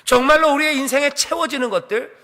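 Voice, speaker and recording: A man's voice: very high-pitched, fast talker, pushed and bright, big-room sound. A man pastor giving a conversational sermon, quizzing his listeners and voicing God's questions to them. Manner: conversational, asks the congregation questions and voices God's questions. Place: church sanctuary.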